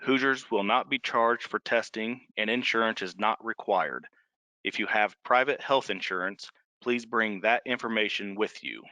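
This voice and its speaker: Bright, forceful American man reading announcements. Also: on the low side, no room sound. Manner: formal, measured, enunciates numbers and spellings. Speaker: official giving briefing on a conference call. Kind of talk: scripted public announcement, read item by item.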